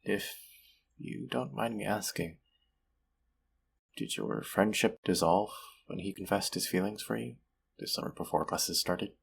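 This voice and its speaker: A man acting a friendly, sympathetic young man in an intimate, conversational audio roleplay, speaking gently and at times hesitantly. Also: unhurried, long pauses, a little hiss or hum. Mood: gentle, sympathetic. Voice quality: low, gravelly, husky.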